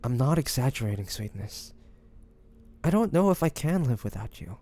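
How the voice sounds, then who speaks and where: A man playing a devoted, anguished young man in an intimate fantasy romance audio drama, speaking haltingly and emotionally with pauses and sighs. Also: medium pitch, big pitch swings, warm tone. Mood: fervent, pained.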